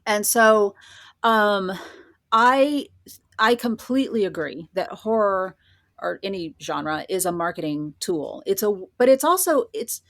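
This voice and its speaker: A woman's voice: medium pitch, lively intonation, unhurried. A woman speaking as a podcast guest, a writer and professor, giving articulate, explanatory answers in a conversational interview.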